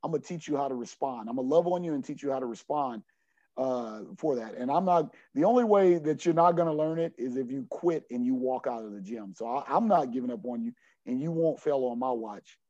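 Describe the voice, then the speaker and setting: A man's voice: medium pitch, animated, a little fast, a little mellow, no room sound, muffled recording. A man in his forties, a basketball coach answering podcast questions earnestly, often repeating words as he finds his thought. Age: 40s. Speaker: junior college basketball coach.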